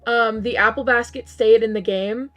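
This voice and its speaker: Slightly hoarse woman streamer, chatty. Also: a little high, steady tone, normal speed, a bit bright. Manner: chatty, laughs often, many "um" fillers. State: slightly hoarse, losing her voice. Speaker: game streamer. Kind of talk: casual live-stream chat.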